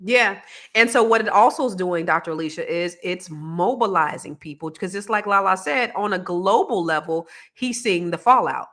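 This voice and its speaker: A woman's voice: lowish voice, moderate pace, a bit bright. A woman hosting a casual panel discussion, putting questions to the guests. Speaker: host.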